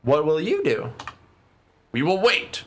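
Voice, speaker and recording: A man's voice: fairly high pitch, wildly swooping pitch, slow pace, voice pushed up, full character voice. A man voicing a fierce, taunting tribal guard from a fantasy game in hammy, amateurish read-aloud acting. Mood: scornful, proud. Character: menacing fierce tribal hunter guarding ruins, grinning with spear.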